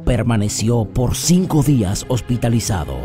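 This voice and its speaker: A man's voice: mid-range voice, animated, moderate pace. A man narrating a documentary trailer in a solemn, dramatic voice-over. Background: music.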